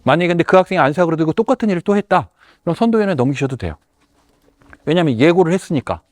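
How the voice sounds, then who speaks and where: A middle-aged man, a head teacher, gives a lively workshop talk to fellow teachers and acts out classroom exchanges in different voices. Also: a little high, very fast, dry recording, clean studio sound.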